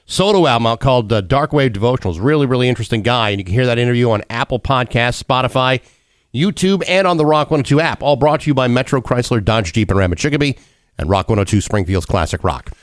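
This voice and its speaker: A man's voice: medium pitch, fast, no echo. A man co-hosting morning radio, giving casual banter and announcements from a studio. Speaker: morning radio show co-host.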